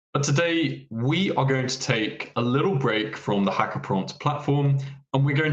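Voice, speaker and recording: At a moderate pace, a man of medium pitch speaks with ordinary pitch variation, audible room echo and noticeable background noise. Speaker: AI security streamer. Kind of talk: live stream tutorial. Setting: live stream. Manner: casual.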